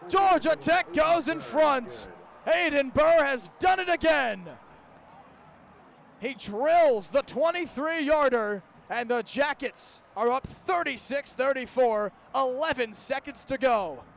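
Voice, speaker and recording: A man's voice: extremely high pitch, lively intonation, slow pace, creaky, a bit bright, a little hiss or hum. A young American man calling live football play-by-play in an emphatic, dramatic way. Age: young adult. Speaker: sports play-by-play announcer. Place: stadium football broadcast.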